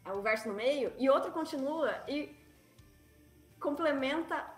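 A woman's voice: sits high, lively intonation, a little slow, roomy sound, soft background music. A woman writer talking in a casual panel chat, eagerly explaining things and laughing as she talks. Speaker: guest writer.

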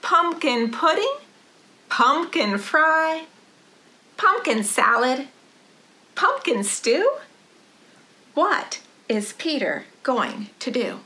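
High, bright-voiced woman leading children's storytime. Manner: animated, deliberate sing-song rhythmic delivery for young children. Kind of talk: children's storytime read-aloud. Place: living room, indoors.

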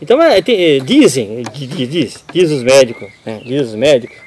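An older man with a Brazilian accent, chatting as a guest and telling stories with halting restarts and repeats. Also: mid-range voice, big pitch swings, a little mellow, slight background noise. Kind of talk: casual chat.

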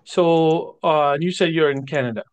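A man's voice: fairly high pitch, normal speed, clean tone, highs cut off. A man coaching someone in a casual, encouraging way over an online call. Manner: encouraging, affirming. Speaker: career coach, host. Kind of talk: casual advisory conversation.

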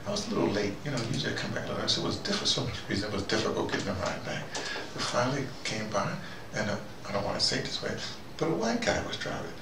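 A man hosting an informal monologue, telling anecdotes in a halting, digressive way and acting out both sides of exchanges. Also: fairly low pitch, sing-song, creaky. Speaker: host of a recurring spoken dispatch. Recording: noisy, roomy recording, distant from mic.

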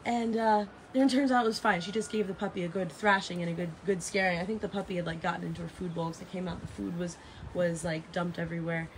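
A woman in her thirties with a raspy voice, chatting casually and dramatically to live stream viewers, repeating phrases for emphasis. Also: lowish voice, fairly even intonation, fast. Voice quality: raspy from heavy singing. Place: open porch of a house and its garden, outdoors. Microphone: phone at arm's length. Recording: noisy outdoor phone recording.

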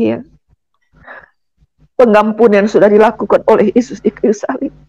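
A middle-aged woman from Indonesia tells her life story as a church testimony. She speaks earnestly and often turns to her listeners directly, and her voice has a gravelly edge. The sound is dry and close. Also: fairly high pitch, a little mellow, no echo, lo-fi sound. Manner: earnest, keeps addressing listeners as brothers and sisters. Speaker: guest giving a testimony.

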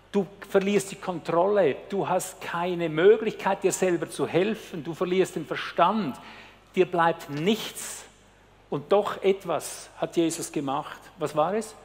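A man preaching a sermon with intensity, talking straight to his listeners and swinging from hushed words to loud cries. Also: high-pitched. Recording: long hall reverb.

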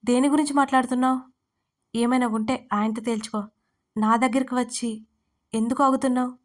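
A woman's voice: fairly high pitch, steady tone, a little fast, close to an everyday voice. A woman voicing a firm, scornful young wife. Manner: blunt, cold, sarcastic.

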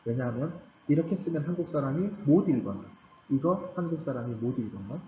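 Animated male teacher in an echoey room. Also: medium pitch, brisk. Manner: patient, repeats key points with emphasis. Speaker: Korean language teacher. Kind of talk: recorded grammar lecture for beginners. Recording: roomy, slightly dull recording with faint background hum.

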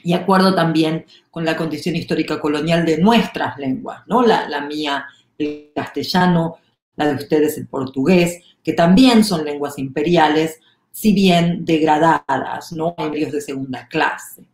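A woman giving an academic lecture at a graduate seminar, measured and deliberate, stressing her points in lists. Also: sits low, a little mellow. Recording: roomy echo.

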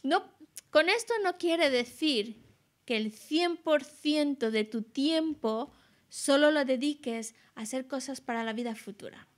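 A woman explaining Buddhist teachings as an interpreter, in a measured way with many restarts. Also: high-pitched.

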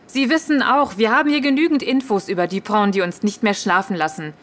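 An actress plays a female police detective in an audio drama. She is firm and businesslike, pressing her points in a matter-of-fact way at a medium pitch. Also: fairly quick, close to an everyday voice. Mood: stern, insistent.

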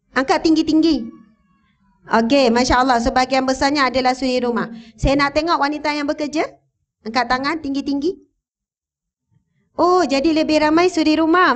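Standing indoors in a mosque hall with a handheld or lapel mic, a high-voiced Malaysian Malay religious teacher preaches to the gathered audience. Her delivery is lively, and she keeps asking the crowd questions throughout the religious talk.

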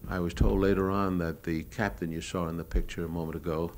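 An American former newsreel cameraman gives unscripted narration of his own war footage, matter-of-fact yet hesitant in his memories. He speaks fairly quickly in a low, darkish voice with little pitch movement, captured on a noisy old live talk recording.

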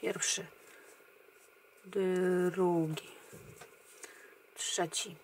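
Slow, calm woman counting crochet stitches. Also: on the low side, slight background noise. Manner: calm, counting stitches aloud, often trailing off quietly. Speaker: crochet tutorial host. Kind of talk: step-by-step crochet instruction.

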